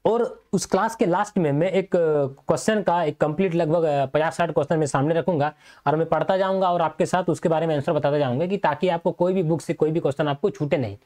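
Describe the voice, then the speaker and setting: A man's voice: on the high side, a little fast, darkish tone. A male teacher giving an exam-prep lecture, asking and answering his own questions and repeating key points so students remember them.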